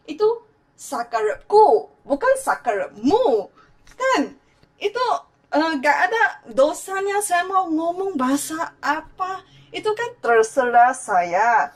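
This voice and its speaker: A young woman from Malaysia speaks to her channel with a Malaysian accent. She is animated and indignant, shifting between languages. Her voice sits a little higher than most. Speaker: YouTuber. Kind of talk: vlog rant.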